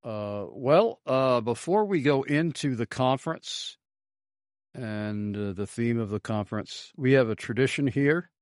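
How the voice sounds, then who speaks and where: A man hosting a Christian radio program, speaking in a measured way with some fillers. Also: mid-range voice, expressive, dry recording, clean studio sound.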